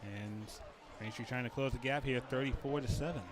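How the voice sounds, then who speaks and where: Brisk male play-by-play football announcer. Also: medium pitch, noisy background. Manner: brisk, joking.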